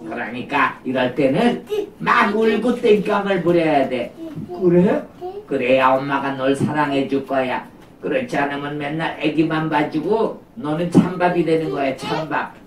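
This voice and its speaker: Woman doing a sly black heart spirit, low sneaky tempter, puppet show, roomy distant recording. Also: normal speed, close to an everyday voice. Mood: sly coaxing. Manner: sly, whispering persuasion, egging on. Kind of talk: live puppet show for preschoolers.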